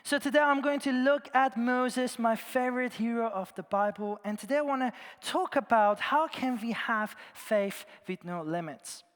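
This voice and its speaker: A man from Iran, preaching a sermon in an earnest storytelling way, his phrases often trailing off softly at the ends. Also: extremely high pitch, moderate pace, hardly any pauses, clear, resonant tone. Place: large church. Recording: long church reverb.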